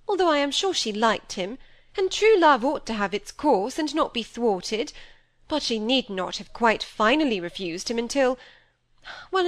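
A woman's voice: sits high, pitched above the performer's own voice. A woman voicing a self-pitying, fussy middle-aged stepmother who gushes and complains.

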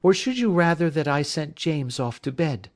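A man doing a gentle, composed wife. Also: lively intonation, normal speed, close to an everyday voice. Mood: soothing. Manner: gentle, raised-pitch reassuring tone. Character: kind, composed wife comforting a friend. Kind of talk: audiobook character voice.

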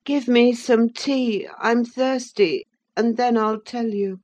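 A woman's voice: a little high, steady tone, takes it slowly, darkish tone, voice pushed up. A woman voicing a sickly, selfish boy with a whiny, petulant manner.

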